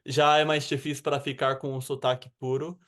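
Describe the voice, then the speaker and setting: An American man with a mid-range voice and normal speed chats as an interview guest in Portuguese he learned, which carries a Rio de Janeiro accent. He's relaxed and a bit rambly, using fillers.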